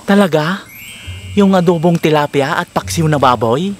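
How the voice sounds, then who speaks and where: A man acting as an affectionate, teasing husband in a comedy skit, flattering his wife and calling her darling. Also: fairly high pitch, moderate pace, natural voice. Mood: playful, flattering. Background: background music.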